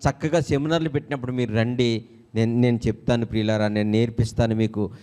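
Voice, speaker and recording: A man preaching a sermon as a pastor, with a Telugu accent, animated and joking, acting out quotes. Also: medium pitch, fast, smooth.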